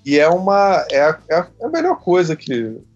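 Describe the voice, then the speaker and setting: A man's voice: a little high, wildly swooping pitch, moderate pace, highs cut off, a little hiss or hum. A middle-aged man chatting casually with friends over a video call, cursing freely and trailing off mid-sentence. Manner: profane, laid-back, trailing off mid-sentence. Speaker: podcast co-host. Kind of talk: casual chat among friends.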